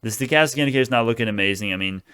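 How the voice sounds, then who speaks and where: A man's voice: medium pitch, rapid-fire, bright, forceful tone, smooth, dry recording. A man giving casual stock market commentary as a video host, talking in a brash, informal, profane crypto-bro way.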